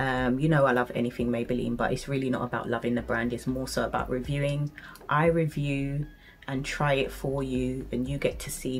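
A woman talks at a moderate pace in a very deep, low pitch with vocal fry and monotone, flat intonation, over light background noise. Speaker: beauty vlogger. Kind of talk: casual vlog chat, product review. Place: home room. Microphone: earbuds.

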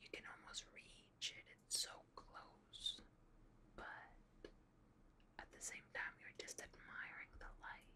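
A woman whispers. Her speech has long, frequent pauses. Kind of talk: soft guided relaxation role-play. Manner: soft, slow ASMR guided-meditation voice. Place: home room. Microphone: earbuds.

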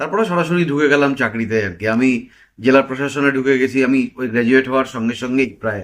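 A man speaks in an ordinary speaking voice at medium pitch with ordinary pitch variation. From West Bengal, Jalpaiguri. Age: 50s. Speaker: writer and former district cricketer. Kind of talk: interview.

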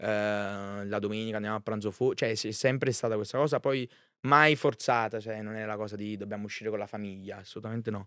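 Speaking at a very fast pace, a man with a fairly low pitch and a bright, sharp tone keeps a fairly even intonation, the sound dry with no echo and the background quiet. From Naples province, Campania, Italy; Campania, Italy. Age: 20s. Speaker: content creator. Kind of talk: interview. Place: studio. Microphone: studio mic.

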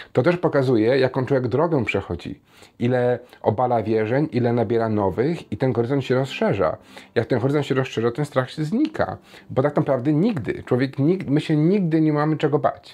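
In a dark, mellow tone, a man speaks with very even loudness and ordinary pitch variation. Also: fairly quick pace. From Poland. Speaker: life coach; host answering viewer questions. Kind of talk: Q&A answering viewer questions. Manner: hesitant, repetitive. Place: studio. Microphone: lapel.

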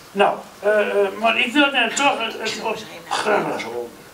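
Over noticeable background noise, a man with a Groningen accent speaks at a very slow pace in a high pitch with lively intonation. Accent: Gronings dialect. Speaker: regional-language writer. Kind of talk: award acceptance speech. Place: stage. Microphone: podium.

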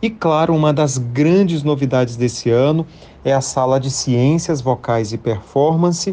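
A man's fairly high pitch with ordinary pitch variation, a dark, mellow tone, very even loudness and a fairly slow pace. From Brazil, Paraíba. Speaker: professional association president, speech therapist. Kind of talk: radio interview.

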